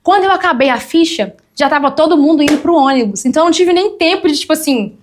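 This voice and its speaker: Woman, young adult, high voice, lively storyteller, quotes people in their voices. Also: fast talker, a little hiss or hum. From Brazil. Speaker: guest sharing testimony. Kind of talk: church talk show testimony.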